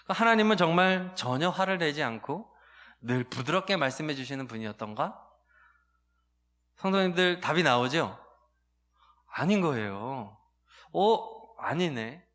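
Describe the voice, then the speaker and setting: Man, 40s, pastor, sermon, crisp bright tone, halting then emphatic storytelling. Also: on the high side, lively intonation. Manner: candid storytelling with many filler pauses, rising to emphatic outbursts.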